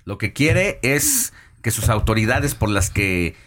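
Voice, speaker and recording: A man with a Mexican accent hosting a live radio news show, giving measured, opinionated commentary. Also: lowish voice, big pitch swings, fairly bright tone. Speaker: radio news host and columnist.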